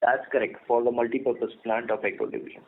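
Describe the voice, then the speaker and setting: Male company executive, Indian accent, mid-pitched, methodical and explanatory, heard through a narrow telephone connection. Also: fairly even intonation, fast talker, creaky. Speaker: company executive answering analyst questions. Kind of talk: earnings call question-and-answer. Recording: tinny narrowband phone line.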